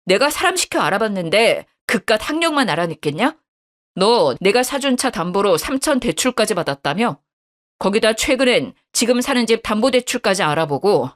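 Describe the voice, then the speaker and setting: A woman's voice: big pitch swings, moderate pace, close to an everyday voice. Woman doing a cold, angry young husband. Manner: harsh, scolding, lower-pitched.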